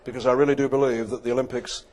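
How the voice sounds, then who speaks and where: An English keynote speaker with a Manchester accent performs a comic speech for a live crowd at an event venue, dry and self-deprecating. He races along in a mid-range, level, slightly mellow voice.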